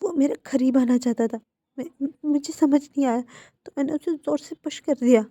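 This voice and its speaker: A woman's voice: sits high, moderate pace, dark tone, no room sound, voice pushed up, lightly acted. A woman voicing an upset, frightened young man in a narrated fan-fiction story, speaking in a pleading, agitated way. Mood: shaken pleading.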